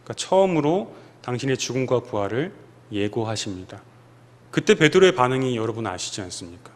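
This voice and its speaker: Man preaching with lively pitch. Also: a little fast. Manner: emphatic, acts out quoted lines. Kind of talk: sermon. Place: church sanctuary. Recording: long church hall reverb.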